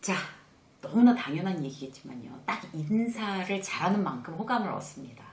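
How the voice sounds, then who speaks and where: A middle-aged woman hosting a casual spoken lesson on workplace manners, acting out sample greetings as she goes. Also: a little fast. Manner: lively, acts out sample greetings in a bright higher voice. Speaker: workplace lecturer and channel host. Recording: roomy echoey room.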